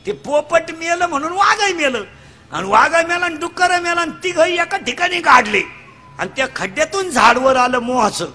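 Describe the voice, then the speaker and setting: A middle-aged man from Maharashtra delivering a comic devotional sermon. He tells stories fast, acts out the characters and shouts the punchlines. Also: very high-pitched, animated. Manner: rapid storytelling, acting out characters, shouting punchlines. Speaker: kirtan preacher.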